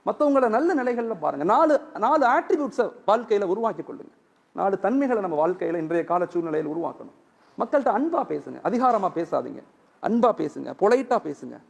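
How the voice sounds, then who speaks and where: High-pitched guy preaching a sermon, super animated, acts out the dialogue in his stories. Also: a little fast, vocal fry. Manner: animated storytelling, acting out dialogue. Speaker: Islamic preacher.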